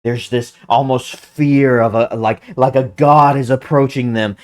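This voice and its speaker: An online commentator giving excited, casual commentary, stumbling over and restarting words, and humming tunes aloud. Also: medium pitch, measured pace. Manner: animated, hums music aloud.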